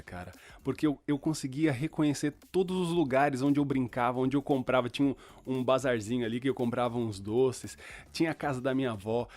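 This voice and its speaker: A man's voice: mid-range voice, darkish tone. A young man from Chile with no accent, hosting a casual Christian podcast in a chatty, informal way. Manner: chatty, informal, fillers like "cara". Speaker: podcast host.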